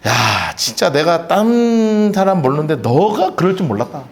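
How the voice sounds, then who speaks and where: A man's voice: on the high side, sing-song, moderate pace, pitched below the performer's own voice. A pastor acting out a bitter betrayed man. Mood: resentful. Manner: curt, clipped dismissals.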